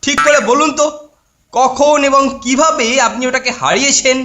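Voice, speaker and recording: A woman's voice: high-pitched, normal speed, a bit bright. Woman voicing a pompous teenage boy detective. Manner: pompous, bossy. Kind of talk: cartoon voice acting.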